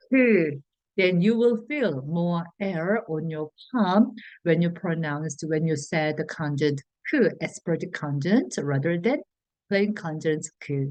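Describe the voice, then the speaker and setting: A woman with a Korean accent, a native Korean speaker, teaching a language lesson slowly, pausing on fillers and restarting her sentences. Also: fairly low pitch, darkish tone, no room sound, low-quality recording. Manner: hesitant, many "uh" fillers and restarts. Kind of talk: slow explanatory lesson for learners.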